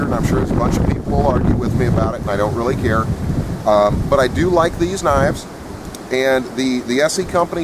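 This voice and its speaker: A man giving a casual, unscripted product review in a plainspoken, opinionated way, recorded outdoors. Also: medium pitch. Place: outdoors in wind. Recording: windy outdoor recording with clear noise.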